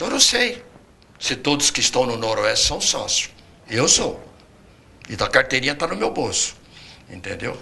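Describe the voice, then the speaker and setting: A man speaks with long, frequent pauses. Noticeable background noise is present. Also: moderate pace. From Brazil, São Paulo state interior. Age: 70s. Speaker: retired sports club supporter. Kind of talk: interview. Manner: hesitant, many fillers.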